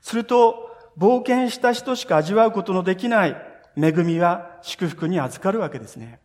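In a church sanctuary with long hall reverb, a male pastor with a high, expressive, slightly mellow voice preaches at normal speed. He tells the story with earnest feeling, speaks straight to his listeners, and voices scripture quotes.

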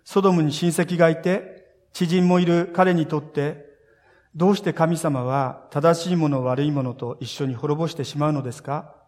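A man preaching a sermon as pastor, earnest and expressive, building emphasis as he speaks. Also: a little high, normal speed. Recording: long reverb of a large hall.

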